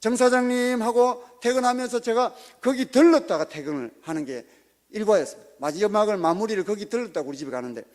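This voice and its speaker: A middle-aged man, a church deacon, giving an animated spoken testimony in a church and acting out the voices in his story. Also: sits high, quick pace, in a large hall. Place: church sanctuary.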